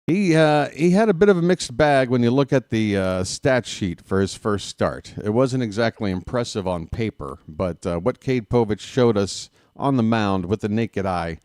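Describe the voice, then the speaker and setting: A man hosts a live baseball stream, giving casual pregame commentary in a chatty, relaxed way full of "uh" fillers, congested from sinus trouble. His fairly low voice sounds clean and studio quality, with no room sound.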